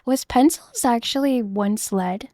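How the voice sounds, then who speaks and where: A woman in her thirties, chatting casually in a soft, rambling way while she draws on stream. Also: a little high, measured pace, dry recording. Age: 30s. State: losing her voice. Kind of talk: casual chat while drawing.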